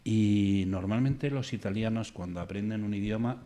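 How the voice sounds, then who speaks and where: A man's voice: fairly low pitch, moderate pace, dark tone. A man hosting an interview, walking through the guest's career and asking conversational questions. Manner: conversational, reads out career details, asks questions. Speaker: interview host.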